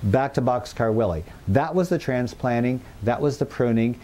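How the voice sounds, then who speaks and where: A man's voice: medium pitch, lively intonation, moderate pace, warm tone, slight background noise. A middle-aged man, recovered with a little left in his throat, gives an upbeat, reassuring, chatty gardening lesson from an outdoor patio garden. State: recovered, slight leftover throat. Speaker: gardening channel host. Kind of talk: casual gardening tutorial. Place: outdoor patio garden full of potted plants.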